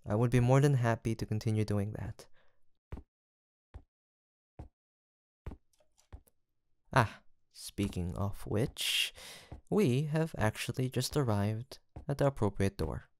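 A man playing a gentle, earnest apothecary in a fantasy audio roleplay, soft-spoken, formal and courteous, with some hesitation. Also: lowish voice, normal speed, no room sound, studio quality, natural voice. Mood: touched, grateful. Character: gentle, earnest, guilt-haunted male apothecary in fantasy village. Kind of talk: soft, sweet roleplay acting addressed to the listener.

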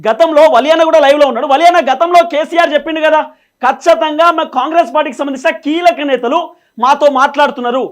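A male news presenter with a Telangana Telugu accent speaks in a very high, raised voice and at a quick pace. He explains emphatically, repeating himself and posing questions that he answers himself. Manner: emphatic, repetitive, poses and answers own questions. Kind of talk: explanatory political commentary at a board.

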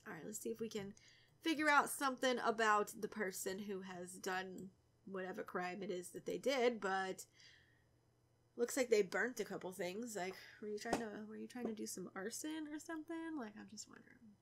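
A young woman with a cold, stuffy and a little raspy, chatting casually through a let's play and teasing the characters. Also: mid-range voice, moderate pace, a bit bright. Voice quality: slightly raspy. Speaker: gaming YouTuber.

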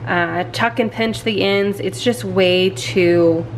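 A woman's voice: medium pitch, steady tone, takes it slowly, a little hiss or hum. A woman casually talking through a bread recipe in her home kitchen, chatty and a little self-deprecating. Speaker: vlogger. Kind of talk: casual cooking walkthrough.

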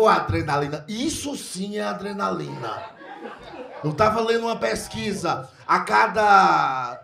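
A man doing a crude, animated stand-up comedy set, slipping into mock foreign voices as he tells his story. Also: high voice, creaky. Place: comedy club stage with a live audience. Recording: echoey room, loud crowd laughter.

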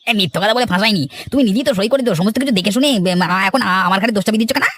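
A man's voice: high voice, racing, fairly bright tone. A man voicing a two-faced, ambitious cartoon villager, sly and eager, who swindles his neighbours. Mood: aggressive, defensive. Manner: smooth-talking, sly, eager. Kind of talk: dramatic cartoon voice acting.

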